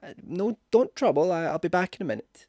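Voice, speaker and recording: A man voicing a polite, awkward gentleman lodger in a ghost story, hesitant and apologetic in manner. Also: sits high, very animated, fairly quick, dry recording, studio quality, voice pushed up, full character voice. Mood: nervous, evasive. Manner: hesitant, stammering, courteous. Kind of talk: ghost story audiobook character.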